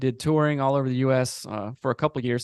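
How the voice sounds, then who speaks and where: Against a quiet background, a man with a normal speaking voice talks fairly quickly at medium pitch, the sound dry and close with no echo. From US South, upstate South Carolina. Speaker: marriage and family therapist. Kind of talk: podcast interview. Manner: casual, many fillers and restarts.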